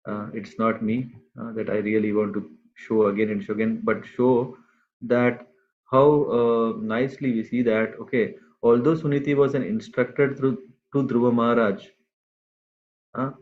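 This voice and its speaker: Low-voiced man on a tinny line. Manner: unhurried, halting with many fillers. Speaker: class speaker. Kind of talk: scripture class.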